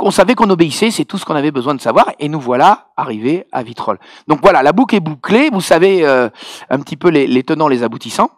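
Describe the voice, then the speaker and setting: A man preaching as pastor, telling a personal testimony in an animated, hesitant way full of fillers. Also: medium pitch, dry recording, studio quality. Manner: hesitant, many fillers and restarts, animated storytelling.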